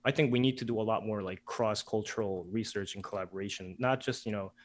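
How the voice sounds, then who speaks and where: A man with a fairly low voice, a native Korean speaker, talks as a guest in a loose, friendly interview. He rambles comfortably, leaning on "like" and "you know" as he goes. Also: quick pace. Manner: relaxed, chatty, frequent "like" and "you know" fillers, laughs easily. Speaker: guest author. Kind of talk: casual interview conversation.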